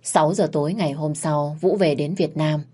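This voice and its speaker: A woman narrating a family drama in a gentle, sympathetic storytelling manner. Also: sits low, steady tone, moderate pace. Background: faint music.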